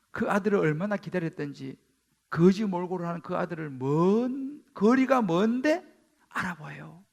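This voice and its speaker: A man, the senior pastor, preaching a Sunday sermon in a church sanctuary, swinging between loud exclamations and hushed asides. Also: high-pitched, creaky.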